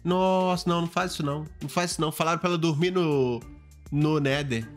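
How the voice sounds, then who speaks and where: A man reacts to game clips in a slightly high voice. He is excitable and exclamatory, jumping from high shouts to low mutters. Soft music plays faintly underneath. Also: fast. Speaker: gaming YouTuber.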